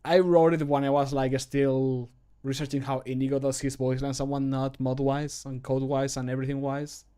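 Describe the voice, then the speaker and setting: A man around his thirties chats casually on a livestream while working at a computer desk in an indoor room. He's a streamer and game modder recording his own voice lines, with a mid-range, dark, clear, resonant voice, little pitch movement, and a moderate pace. He's self-deprecating and often mutters to himself.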